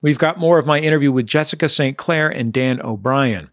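A man hosting a radio interview show, asking questions in a measured, dry way and reading announcements. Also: mid-range voice. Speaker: radio host.

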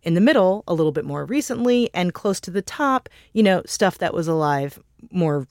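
A woman's voice: fairly low pitch, animated, moderate pace, a little mellow, dry recording, clean studio sound. A woman co-hosting a podcast in casual chat, laughing often. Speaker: co-host.

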